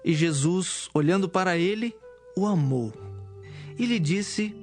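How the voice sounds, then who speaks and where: Man, scripted dramatic Bible narration, raised pitch, soft music behind. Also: animated, measured pace.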